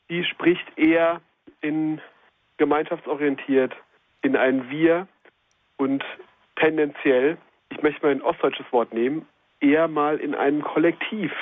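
A man from Hesse, calling in to a radio show and speaking in a thoughtful, measured way. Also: a little high, no echo. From Hesse, Germany. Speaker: caller. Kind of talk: phone-in comment. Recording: tinny phone line.

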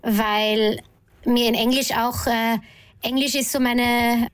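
Actress on a radio talk show, bit high voice, hesitant, keeps restarting sentences. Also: female voice, steady tone, slow pace, smooth. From Austria. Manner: thoughtful, hesitant, many restarts. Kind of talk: casual radio interview.

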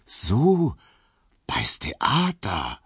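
A man's voice: lowish voice, wildly swooping pitch, extremely slow, slightly rough, no echo, studio quality, voice pushed up, heavily acted. A man voicing a chatty young woman, asking eager questions in a raised voice. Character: young blonde Berlin maid, chatty and showy.

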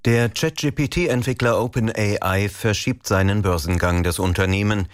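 A man reading radio news in a measured, formal way. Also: lowish voice, dry recording, studio quality. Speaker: newsreader.

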